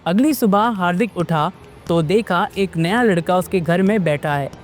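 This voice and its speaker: A man narrating a scripted horror-fantasy story in a lively, dramatic way. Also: sits high, measured pace, faint music behind.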